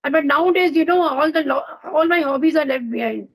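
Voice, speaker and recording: A woman's voice: high voice, brisk, poor audio. A woman with an Indian English accent hosting an English practice video call, asking friendly, encouraging questions. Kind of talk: casual video call chat.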